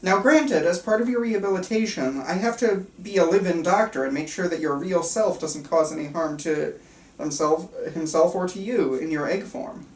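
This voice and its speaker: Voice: medium pitch, normal speed, close to an everyday voice. Someone reading a chirpy, patronizing psychiatrist in a roomy space. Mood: patronizing, reassuring. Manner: breezy, reassuring bedside talk. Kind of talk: script table read. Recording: roomy, picked up from far off.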